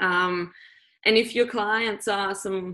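Against a quiet background, a woman speaks at a medium pitch and a very slow pace. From Austria. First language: German. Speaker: tourism marketing manager. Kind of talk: presentation. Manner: hesitant, many fillers.

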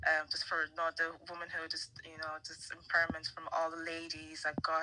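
A woman speaks at a moderate pace with a fairly low pitch. Her intonation is monotone and flat, over noticeable background noise. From Ireland, Dublin. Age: 20s. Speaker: technical architect and pageant contestant. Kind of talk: podcast interview.

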